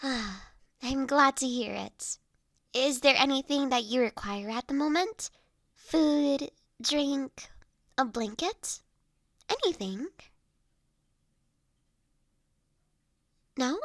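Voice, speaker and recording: A high, bright voice, recorded close and dry, for a gentle young noblewoman, acted by a woman in an intimate roleplay audio drama. She is courteous and doting, choosing formal, slightly old-fashioned words and taking her time as she looks after the listener. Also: expressive, slow, dry recording, exaggerated voice. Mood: caring, attentive. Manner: soft-spoken, formal old-fashioned phrasing, solicitous.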